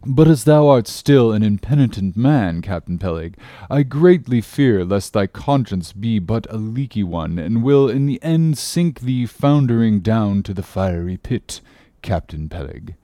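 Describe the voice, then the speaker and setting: A man voicing a stingy, pious old shipowner in an audiobook, solemn and sepulchral, with steady, mumbling scriptural speech. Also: unhurried, no room sound, studio quality. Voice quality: sepulchral, low and hushed. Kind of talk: audiobook character voice.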